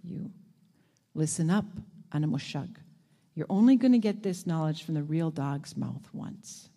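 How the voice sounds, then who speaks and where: A woman reading aloud as a clever, proud old male dog, in a plain, unhurried storytelling voice. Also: deep voice, animated, mellow, voice pushed down, full character voice. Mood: wry.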